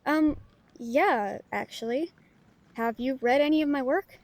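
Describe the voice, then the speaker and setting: A woman's voice: sits high, a little slow, no echo. A woman playing a casual, friendly female novelist in an audio drama, with an informal, slightly hesitant way of talking. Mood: friendly, modest. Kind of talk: naturalistic audio roleplay acting.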